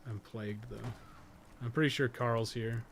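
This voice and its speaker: A man's voice: medium pitch, fairly even intonation, normal speed, a little hiss or hum. A man doing casual live gameplay commentary, thinking aloud and swearing freely as he plays. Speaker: game streamer and guide writer.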